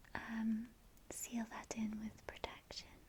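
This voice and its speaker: The voice is whispering in a gentle tone. Its pace is very slow. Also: woman. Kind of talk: ASMR crystal reiki guided meditation. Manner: soft-spoken, gentle.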